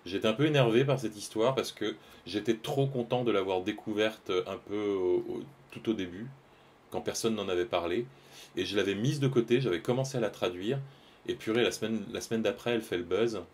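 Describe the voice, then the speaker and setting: A man's voice: lowish voice, fairly quick, darkish tone. A man, chatting casually and hesitantly with his stream viewers while he draws live, full of fillers and restarts.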